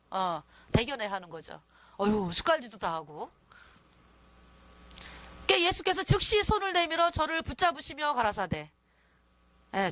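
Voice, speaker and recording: A woman's voice: mid-range voice, bright, forceful tone, no echo. A woman preaching a sermon in a conversational way, often asking the listeners to agree with her.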